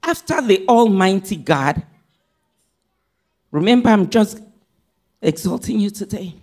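A woman pastor preaching a sermon, reading scripture in measured phrases and repeating lines for emphasis. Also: mid-range voice, lively intonation, a little mellow.

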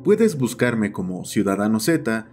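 A man's voice: fairly low pitch, big pitch swings, unhurried, darkish tone. Male horror narrator over music. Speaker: narrator and host of a horror story channel. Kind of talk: scripted horror story narration. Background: background music.

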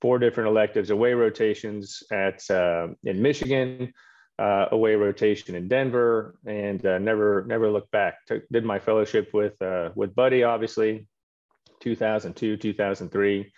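A middle-aged man, a native French speaker, telling stories in a relaxed way with many fillers on a video call from a home office. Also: on the low side, moderate pace. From Quebec, Canada. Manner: storytelling, relaxed, with frequent fillers. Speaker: orthopedic surgeon guest. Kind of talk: casual video call interview. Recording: dull lo-fi call audio.

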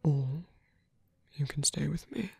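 A man acting a lovestruck villain in an ASMR roleplay, flirtatious yet sincere and protective, confessing haltingly in a breathy, husky voice that often drops to a whisper. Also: a little high, dark tone, dry recording, heavily acted. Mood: earnest, pained. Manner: halting, hesitant confession with small sighs. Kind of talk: ASMR roleplay, intimate one-sided dialogue.

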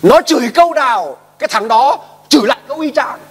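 High-voiced pastor preaching in a hall. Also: male voice, lively intonation, fairly quick, slightly rough. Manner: emphatic, rhetorical questions, calls to repeat after him. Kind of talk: sermon. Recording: long hall reverb.

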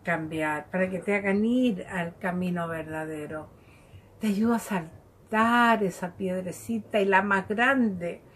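A woman giving a devotional Bible reflection to her listeners in a gentle, conversational way, laughing often. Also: medium pitch, unhurried, a little hiss or hum. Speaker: lay preacher.

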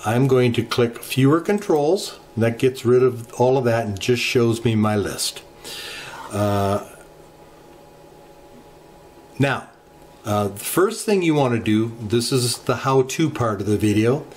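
A middle-aged man hosting a ham radio channel, walking through software settings in an unhurried tutorial with many filler pauses, recorded at a desk in his home radio room. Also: medium pitch, a little hiss or hum. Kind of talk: screen-share software tutorial. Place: home radio shack, indoors.

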